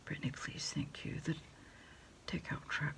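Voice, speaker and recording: A woman doing a quiet ASMR roleplay as a food delivery order taker on the phone, whispery and soft-spoken, with hesitant, halting phrases. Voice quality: whispery, breathy, mostly unvoiced. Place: small dim desk corner indoors.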